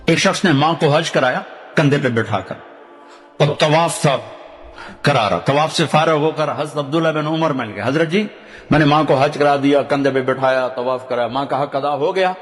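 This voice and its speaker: An older man from Pakistan with a Punjabi accent, preaching a sermon and telling stories, dropping low to recite Arabic verses. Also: big-room sound, soft background music. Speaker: Islamic preacher.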